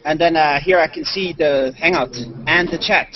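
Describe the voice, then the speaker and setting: A man vlogs live on his way to a convention, chatting casually at normal speed in a voice on the high side and often restarting or using fillers. He moves through a busy convention and a monorail, speaking into a head-mounted display mic. The lo-fi stream is dull, with slight background noise and a crowd behind him.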